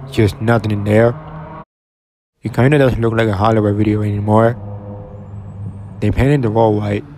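A man's voice: lowish voice, darkish tone, a little hiss or hum. A young man from Oregon giving casual, matter-of-fact narration while touring an empty store. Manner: plain, matter-of-fact commentary. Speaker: retail explorer vlogger.

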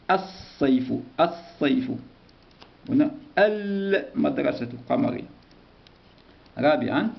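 Male teacher, heavy vocal fry, repetitive and encouraging, muffled lo-fi sound. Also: medium pitch. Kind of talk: grammar lesson for young pupils.

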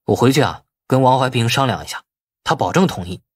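A man's voice: mid-range voice, lively intonation, fast, breathy edge, no room sound, clean studio sound. A man voicing a wily, outwardly deferential nephew in an audiobook, glib and colloquial in his arguing. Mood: ingratiating. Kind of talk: audiobook character acting.

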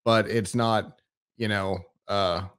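A man hosting a tech show, interviewing a guest in a relaxed, conversational way, recorded in a studio. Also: on the low side, slow, smooth. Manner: relaxed, conversational, with restarts and short acknowledgements. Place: studio with a screen behind.

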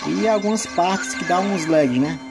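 A Brazilian man gives casual gameplay commentary in a conversational, rambling way. Loud game music plays behind his voice. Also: high-pitched, a little slow, creaky. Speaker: gaming video creator.

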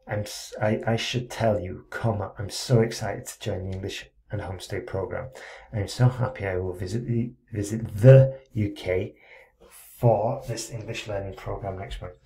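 A mellow, lowish male voice with vocal fry narrates an essay correction screencast for English writing. He reads the student's letter aloud, pausing to comment and correct, with frequent check-ins and words of encouragement.

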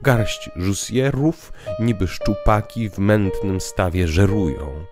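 A man's voice: lowish voice, slow. A man voicing an earnest, bitter social critic in an audio drama, speaking in emphatic rhetoric. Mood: indignant. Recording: piano music underneath.

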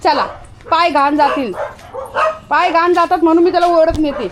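Brief: high-pitched woman, chatting to her dog in a sing-song voice, steady noise behind her. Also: normal speed. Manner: coaxing, repetitive, sing-song. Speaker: vlogger talking to her pet dog. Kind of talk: casual coaxing talk to a dog.

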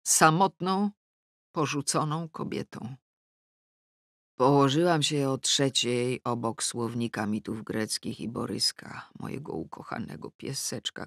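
Clean studio sound without echo carries an extremely low female voice. She is a middle-aged audiobook narrator reading a first-person comic novel aloud, wry and self-mocking, shifting between sulky mutters and exclamations.

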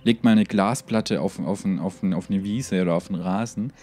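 A man's voice: low voice, moderate pace, dark tone, faint music behind. A man giving casual let's play commentary, chatting to the characters in his game and laughing often.

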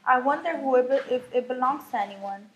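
A woman's voice: sits high, brisk, highs cut off, natural voice. A young woman playing a bratty, stubborn little girl in an amateur puppet show. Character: bratty little girl who grabs a monkey. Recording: clear background noise.

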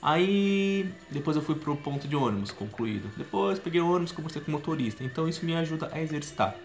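A man in his thirties from Brazil, speaking with a Brazilian Portuguese accent. His delivery is chatty and expressive, peppered with fillers. He records himself on a phone in a small indoor room. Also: a little high, very fast, faint music behind. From São Paulo, Brazil. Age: 30s. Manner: chatty and expressive, gestures a lot, many "you know" fillers. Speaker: language learner vlogger. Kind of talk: casual spoken video diary. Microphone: phone camera at arm's length.

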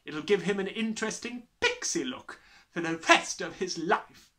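A man voicing a harsh, sneering, bullying middle-aged headmistress in a children's storybook, with snapping, drawn-out emphasis. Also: sits high, lively intonation, sharp tone, pitched above the performer's own voice. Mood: gloating. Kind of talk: dramatised children's storybook reading.

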